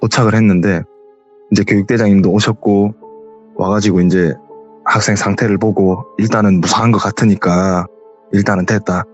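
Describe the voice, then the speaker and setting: A man's voice: fairly low pitch, fairly even intonation, normal speed, dull audio, soft background music. A young man with a heavy regional dialect tells a true ghost story as a guest, acting out the quoted voices.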